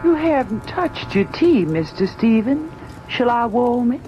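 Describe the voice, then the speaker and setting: An actress playing a solicitous household servant in an old-time radio drama, coaxing, fussy and deferential. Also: female voice, a little high, sing-song, a little slow. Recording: muffled old radio recording, faint noise.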